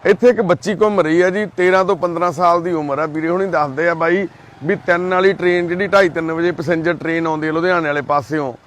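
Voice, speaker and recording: A man with a Punjabi accent and a somewhat raised pitch talks in a gentle, coaxing way. He soothes a frightened girl and speaks straight to his viewers. He is recording outdoors at night near a railway crossing. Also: fairly even intonation, a little fast. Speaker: volunteer vlogger helping a lost girl. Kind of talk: on-the-spot vlog narration and coaxing.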